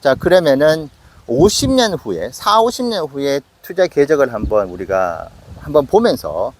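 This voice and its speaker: Casual investing host, man in his late forties, lively delivery. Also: mid-range voice, moderate pace. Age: 40s. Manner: conversational, self-questioning with acted asides. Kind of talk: casual investing talk to camera.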